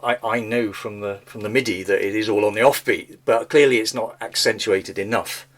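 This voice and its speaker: A man's voice: fairly low pitch, fairly even intonation, normal speed. A man hosting a podcast, talking casually and self-deprecatingly about music he has written, in a slightly thin voice. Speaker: podcast host and songwriter.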